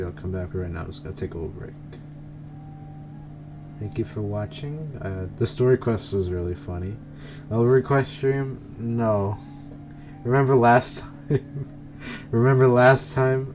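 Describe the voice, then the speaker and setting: A man's voice: lowish voice, noisy background. A man chatting casually as he streams a game, rambling and often repeating himself. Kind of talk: casual livestream chat.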